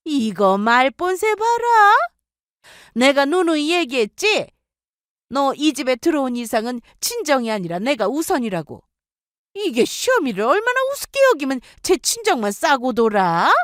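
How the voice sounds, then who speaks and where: A woman voicing a bullying older mother-in-law who scolds and yells, in a storytelling radio drama. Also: sits high, sing-song, rapid-fire, hardly any pauses, no echo, studio quality, pitched above the performer's own voice. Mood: scolding. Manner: scolding, yelling.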